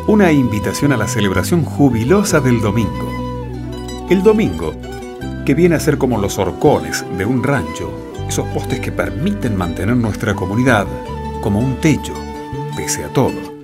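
A man reading poetic scripted narration in a solemn, dramatic, expressive way. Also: mid-range voice, moderate pace. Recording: loud music with rain and thunder. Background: loud music, rain, thunder.

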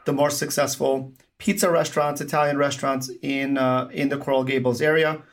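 A man's voice: mid-range voice, level tone, a little fast. A man hosting a conversational podcast interview, often repeating words as he phrases his questions.

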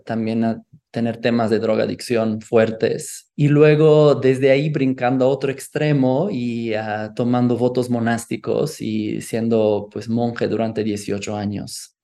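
A man with an Italian accent, a native Italian speaker, talking reflectively as an interview guest, measured and thoughtful. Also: mid-range voice, creaky, warm tone. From Italy. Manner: measured and thoughtful, often ending with a questioning "no?". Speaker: guest, somatic therapist.

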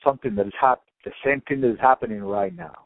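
A man from Cuba, talking in animated casual chat, swearing freely and using many fillers. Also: mid-range voice, quick pace, vocal fry, no echo. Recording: tinny phone-like line.

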